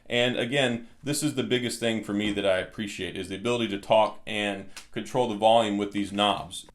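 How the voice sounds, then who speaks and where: A man's voice: fairly low pitch, steady tone, fairly quick. A man giving a casual product walkthrough as a reviewer, explaining things step by step.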